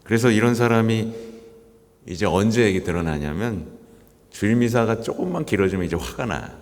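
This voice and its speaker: A man's voice: lowish voice, normal speed. A man, a Catholic priest, giving a conversational weekday homily and acting out people's complaints. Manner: lively, conversational preaching with mimicked quotes. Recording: church hall reverb.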